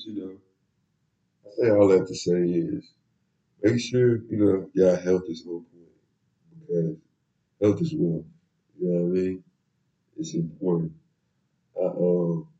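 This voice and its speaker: A young man, stuffed up and nasal from a cold, telling stories in a relaxed, rambling podcast chat full of slang. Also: low-pitched, muffled recording. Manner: laid-back, rambling storytelling with slang. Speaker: podcast host. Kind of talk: casual solo podcast talk.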